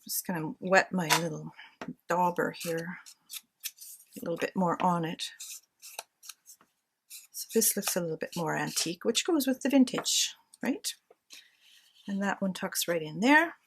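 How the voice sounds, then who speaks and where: A crafting vlogger with a lowish, gravelly voice chats a little slowly, pausing often but with lively intonation, while background noise runs underneath. She's decorating a handmade journal at home and talking casually to herself and her viewers.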